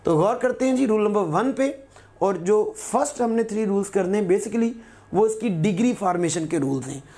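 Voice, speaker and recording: A male teacher giving a recorded grammar lesson, patiently repeating words slowly as examples. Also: sits high, lively intonation, dark tone.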